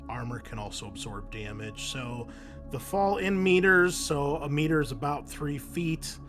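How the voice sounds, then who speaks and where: A man's voice: on the high side, animated, a little slow, fairly bright tone. A man running a tabletop roleplaying game as game master, narrating off the cuff in a conversational way with some hesitation. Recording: music behind the voice. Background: music.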